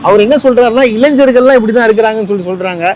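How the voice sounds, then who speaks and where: A man's voice: high-pitched, racing, a little mellow, slight background noise. A man interviewing people outdoors, asking leading questions and echoing their answers. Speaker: street interviewer. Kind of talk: street interview. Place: outdoors on a street.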